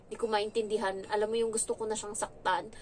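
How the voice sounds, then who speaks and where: A woman's voice: mid-range voice, quick pace, a little hiss or hum. A young adult woman from the Philippines who works as a domestic helper, telling a frank, chatty story in a casual vlog. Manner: chatty, frank, animated when retelling.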